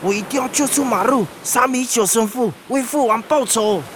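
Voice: mid-range voice, moderate pace, noisy background, natural voice. An actor voicing a hot-headed young tribal warrior in a radio drama, with a Taiwanese accent and a blunt, defiant, dramatic delivery. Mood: vengeful, threatening. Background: music.

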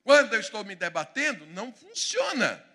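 Bright high-voiced pastor preaching. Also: male voice, huge pitch swings, moderate pace. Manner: storytelling, voices quoted figures, swings from quiet to loud. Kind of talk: sermon.

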